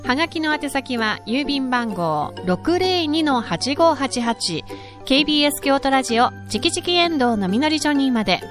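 A high-voiced woman on a radio show who speaks politely and reads out notices clearly. Music plays under her voice. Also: animated, moderate pace. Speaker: radio announcer. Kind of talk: radio chat and announcements. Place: radio studio.

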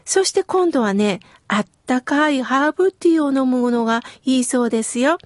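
A middle-aged woman from Kitakyushu giving gentle, slow, explanatory advice in a scripted talk. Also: high-pitched, animated, no echo, clean studio sound. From Kitakyushu, Japan.

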